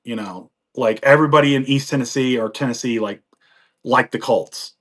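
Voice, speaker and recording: A man's voice: medium pitch, normal speed, fairly bright tone. A man in his forties from the United States, telling his life story in a rambling, chatty way with frequent laughs. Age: 40s. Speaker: guest on a live chat. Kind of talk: casual chat.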